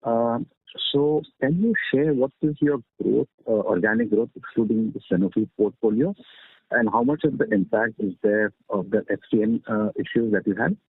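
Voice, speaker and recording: Husky guy asking analyst questions on a call, narrow phone audio, no room sound. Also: medium pitch, sing-song, moderate pace, no echo. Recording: dry, muffled narrowband phone line.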